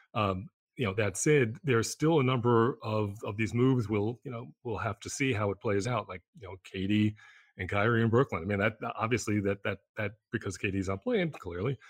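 This man has a fairly low voice with ordinary pitch variation. His pace is moderate. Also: very clean recording, silent background. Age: 50s. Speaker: NBA journalist and podcast co-host. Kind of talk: casual sports chat. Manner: hesitant, with frequent fillers and repeats.

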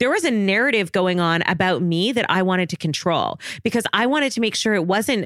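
An ordinary speaking voice moves at a fairly quick pace with lively intonation, very even loudness and hardly any pauses. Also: woman, very clean recording, silent background. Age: 30s. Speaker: reality TV personality and body positivity advocate. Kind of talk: casual chat.

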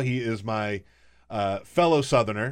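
A man with an ordinary speaking voice and an American accent talks at a fairly slow pace with ordinary pitch variation, in a very clean recording with a silent background. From South Carolina. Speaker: guest radio host. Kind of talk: casual political talk show. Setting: studio.

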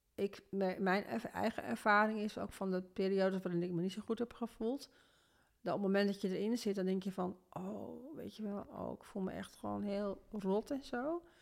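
At a moderate pace, a woman of medium pitch talks in an ordinary speaking voice. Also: ordinary pitch variation. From northeastern Netherlands, Groningen. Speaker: children's coach. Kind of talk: casual interview.

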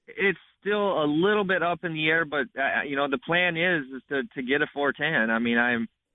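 In a plain, everyday voice, a man speaks at a moderate pace with a fairly high pitch, ordinary pitch variation and hardly any pauses. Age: 40s. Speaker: sprint car driver. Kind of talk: phone interview. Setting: phone call.

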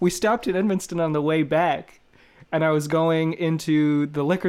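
A man with a Canadian accent speaks in a normal speaking voice at a fairly high pitch and a moderate pace. The recording is very clean, with a silent background. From Toronto, Canada. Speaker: singer-songwriter. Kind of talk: casual chat.

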